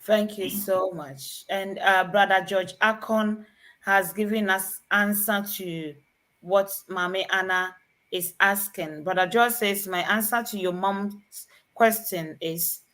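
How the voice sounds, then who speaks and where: A woman hosting a live-streamed health talk, with a voice of medium pitch. She leads the panel in a friendly, coaxing way and reads out viewers' questions. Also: steady tone, takes it slowly, fairly bright tone. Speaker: host.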